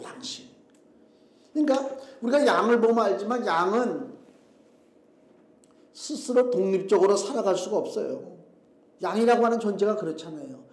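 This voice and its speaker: A man's voice: high voice, darkish tone. A middle-aged male pastor preaching a sermon in a conversational, emphatic way, full of rhetorical questions. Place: church sanctuary. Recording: echoey church hall.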